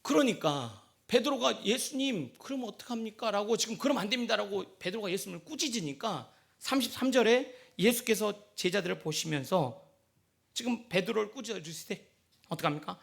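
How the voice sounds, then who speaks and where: Male pastor, sermon delivery, high-pitched with a gravelly rasp, acts out the scripture dialogue. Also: expressive, normal speed. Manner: acts out disciples' and Jesus' words in dialogue.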